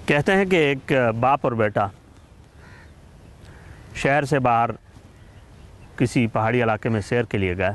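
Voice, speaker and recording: A male storyteller at a middle pitch tells a short moral tale and then draws out its lesson. He speaks in a measured, explanatory way and turns to his listeners as friends.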